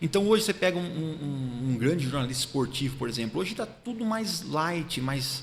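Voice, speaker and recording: Through noticeable background noise, a man talks with lively intonation. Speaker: radio presenter. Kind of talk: podcast interview. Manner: natural, not formal announcer style.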